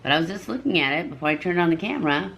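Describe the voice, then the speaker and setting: A woman's voice: lowish voice, animated, very fast, gravelly, a bit bright, a little hiss or hum. A woman in her fifties giving a casual, chatty makeup review to camera. She rambles a little and corrects herself as she goes. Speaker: beauty vlogger.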